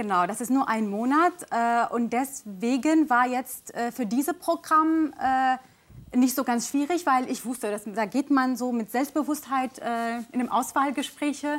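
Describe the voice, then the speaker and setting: This woman has a high pitch and an Arabic accent. She speaks at a fairly slow pace with ordinary pitch variation. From Palestinian territories. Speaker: parliamentary intern. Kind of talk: panel discussion. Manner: hesitant.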